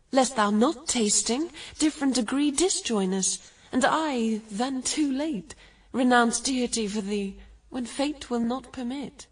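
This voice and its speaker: A blithe, seductive first woman in a classical radio drama. Her high voice is hushed and breathy as she draws out persuasive verse. She sounds slightly away from the mic. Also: distant mic, low-quality recording.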